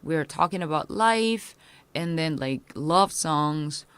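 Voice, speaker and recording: A woman in her thirties who speaks English with Korean as her first language, talking as a punk musician guest in a casual interview, halting, with many fillers and restarts. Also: deep voice, lively intonation, clean tone, no echo.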